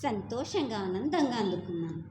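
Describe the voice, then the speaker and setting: A woman's voice: fairly high pitch, big pitch swings, moderate pace. A woman delivering a ritual prophecy as an oracle, declaiming in short incantatory phrases in a prophetic trance voice. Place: echoing temple festival ceremony. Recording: echoey sound with music behind.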